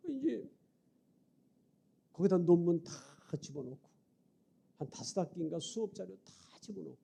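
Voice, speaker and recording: A middle-aged man preaching a storytelling sermon, swinging dramatically from hushed to loud. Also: high-pitched, breathy edge. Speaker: revival preacher.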